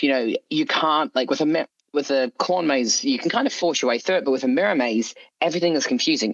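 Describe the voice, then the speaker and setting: A man's voice: medium pitch, no room sound. A man from the UK, an author being interviewed, explaining his ideas casually as he thinks aloud. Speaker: guest author. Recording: slightly dull, lo-fi audio.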